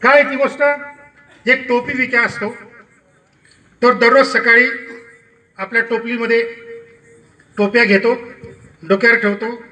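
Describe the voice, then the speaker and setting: High, sharp-voiced man telling a folk tale. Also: measured pace, pauses often, recorded from a distance, low-quality recording. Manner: lively folk storytelling, addressing the crowd. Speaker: campaign speaker. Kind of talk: storytelling in a campaign speech. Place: outdoor village rally.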